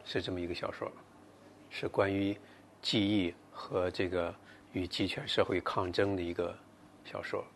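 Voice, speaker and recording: A man, the author, answering questions in a measured, reflective way at a bookshop event, speaking into a table mic. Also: sits low, fairly even intonation, vocal fry, slight background noise.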